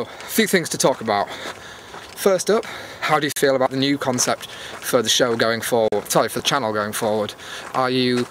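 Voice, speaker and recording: A man's voice: mid-range voice, a bit bright. A British man casually rambling through a chatty, meandering walk-and-talk vlog as its host. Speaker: YouTube vlogger and host. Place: outdoors on a cold evening walk. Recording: clear outdoor background noise.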